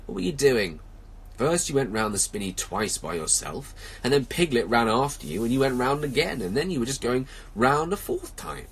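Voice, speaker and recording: A man voicing a fond, calm young storybook boy in a gentle, unhurried manner. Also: medium pitch, husky, full character voice. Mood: fond chiding.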